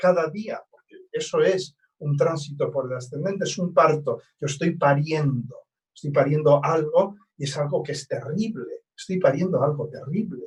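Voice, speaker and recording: A man with a plain, everyday voice talks at a moderate pace and fairly high pitch, with big swings in loudness. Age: 60s. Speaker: astrologer. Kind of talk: casual chat.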